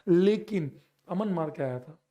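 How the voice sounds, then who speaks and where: A male chemistry teacher lecturing for an exam-prep class, his voice sitting high and lively. He talks with teasing energy, switching between Hindi and English as he works through problems. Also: a little slow.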